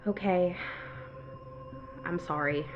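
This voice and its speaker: A woman's voice: on the low side, slow, highs cut off, music in the background. A woman playing a stubborn, secretive character in an audio drama, terse and defensive.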